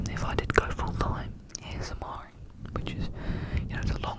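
A man is whispering. He keeps his voice to a whisper throughout. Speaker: ASMR content creator. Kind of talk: casual talk to camera. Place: home room. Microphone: studio mic.

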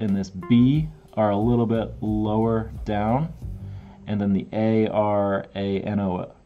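Faint music sits in the background while a man speaks very slowly with ordinary pitch variation. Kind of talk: live-stream tutorial chat. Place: workshop.

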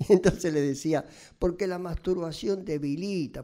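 A man speaks in a dark, mellow tone with ordinary pitch variation. The recording is very clean, with a silent background. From Argentina, Buenos Aires. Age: 80s+. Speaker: psychotherapist. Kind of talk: casual chat. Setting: stage with audience.

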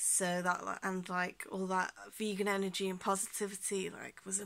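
A woman's bright, sharp tone in a monotone, flat delivery. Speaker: vlogger. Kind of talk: casual vlog chat. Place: home room. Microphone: phone near.

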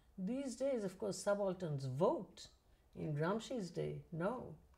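A woman talks very slowly in a dark, mellow tone that is somewhat breathy. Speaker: interviewee. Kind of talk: interview answer. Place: meeting room.

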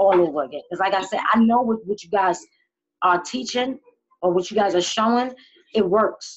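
With ordinary shifts in pitch, this woman keeps up a fairly quick pace. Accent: New York. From Brooklyn, New York; New York. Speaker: team member in a travel business. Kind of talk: video call Q&A. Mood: earnest, reflective. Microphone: video call.

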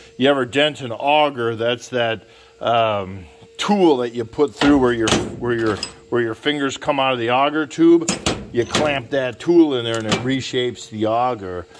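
Ordinary pitch variation in a man's moderately paced speech, noticeable background noise behind it. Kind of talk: casual vlog chat. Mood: relaxed, chatty. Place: garage. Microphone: phone near.

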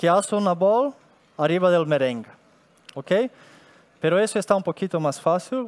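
A man with a non-native accent and a high pitch speaks at a moderate pace with lively intonation, very even loudness, and long, frequent pauses. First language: Portuguese (speaking Spanish). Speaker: pastry chef; pastry chef demonstrator. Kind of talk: cooking demonstration. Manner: halting. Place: stage.

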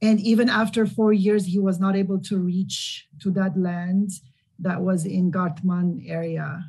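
A woman's medium-pitched, dark, mellow voice, somewhat breathy, fairly slow and monotone with flat intonation. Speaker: mental health professional; guest. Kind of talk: panel discussion. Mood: serious, somber. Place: home room. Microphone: earbuds.

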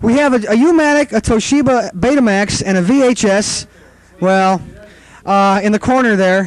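A man with an American accent speaks at a fairly slow pace, his loudness very even. His pitch is high, with ordinary variation. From US Midwest. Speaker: video collector introducing attendees. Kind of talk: casual emceeing on home video. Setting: hotel ballroom convention, on camera. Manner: enthusiastic, announcer-like. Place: meeting room. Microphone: old recording.

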